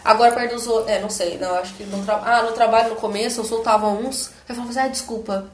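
A young Brazilian woman talks quickly in a slightly high voice, hosting a casual chat with friends. Her delivery is blunt and ironic, and she swears without a second thought. The room gives her voice a roomy echo. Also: steady tone, slight background noise.

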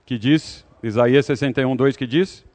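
A man with a medium-pitched, slightly mellow voice leads an interactive Bible study at a normal pace. He keeps it conversational and puts questions to the audience.

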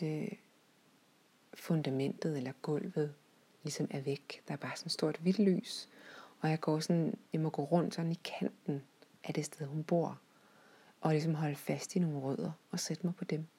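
A woman recounts a visualization journey in a gentle, unhurried way, with many hesitations. Her voice is low and breathy and often drops to a near whisper. The tone stays mellow throughout. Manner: soft-spoken, often sinking to a whisper.

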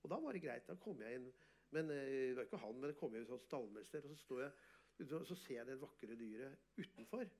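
A man, an artist and photographer, telling animated, boastful stories in an interview and often laughing. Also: mid-range voice. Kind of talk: casual storytelling interview.

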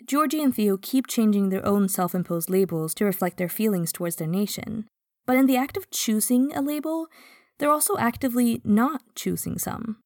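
A woman from Stockholm whose first language is Swedish, narrating a podcast in a measured, reflective way. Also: medium pitch, a little mellow, no echo, studio quality. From Sweden, Stockholm. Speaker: podcast host. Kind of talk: scripted narration.

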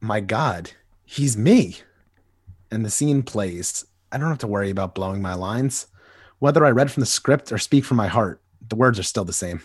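Wistful adult hero, husky, lively up-and-down delivery, dry close mic, read by a man. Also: lowish voice, moderate pace, no echo. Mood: earnest. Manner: wistful, earnest inner monologue. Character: nostalgic grown-up superhero, adult man. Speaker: podcast co-host. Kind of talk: amateur comic dramatic reading.

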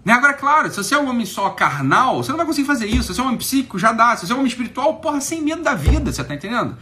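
Hosting a live stream, a Brazilian-accented man talks casually and emphatically, swearing a lot and repeatedly asking whether you get it. His voice is very high, sing-song, and sharp, delivered rapid-fire.

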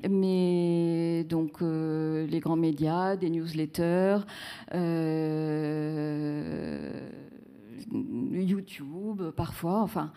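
A woman's voice: low-pitched, very slow, mellow, clear, resonant tone. A woman author in a live book talk, speaking reflectively with many fillers and restarts as she searches for her words.

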